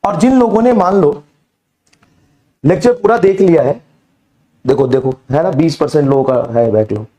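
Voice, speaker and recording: A man's voice: normal speed, dark tone. Feverish male teacher with a cracking voice. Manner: low-energy, repetitive, coaxing rhetorical questions. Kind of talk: recorded online class lecture.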